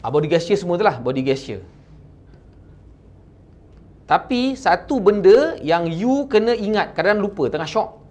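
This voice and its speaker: A man's voice: high voice, normal speed, long pauses. A man with a Malaysian accent coaching insurance agents, mixing English terms into his talk and often checking in with "kan?". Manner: mixes English into Malay, asks "kan?" often, lively stresses. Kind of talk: sales training talk.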